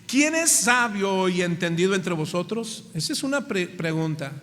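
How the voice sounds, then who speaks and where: Pastor mexicano de voz aguda y brillante. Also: male voice, high-pitched, very animated, a bit bright. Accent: Mexican Spanish. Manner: preaching with questions to the congregation, slowing on key words. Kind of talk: sermon. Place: church hall. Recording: church hall reverb.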